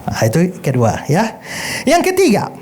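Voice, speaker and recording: A male pastor teaching a Bible class in an animated, storytelling manner. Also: sits high, unhurried. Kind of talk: sermon-style Bible lesson with storytelling.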